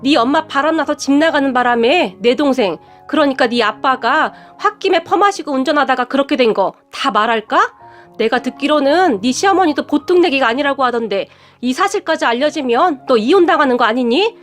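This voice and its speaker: A woman's voice: high voice, lively intonation, brisk. A woman voicing a greedy, scheming middle-aged aunt in a taunting, sneering manner, over faint music.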